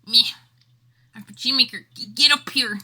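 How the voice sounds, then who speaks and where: Her voice is on the high side and sharp, at a normal speed, as this woman livestreamer rambles exclamatorily in casual chat with viewers. She is also a game developer.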